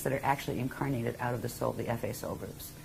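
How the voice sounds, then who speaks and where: A woman with an American accent talks at a very fast pace and a very deep, low pitch. Noticeable background noise sits behind her. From US Northeast (Pennsylvania, New York). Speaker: spiritual teacher. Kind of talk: interview.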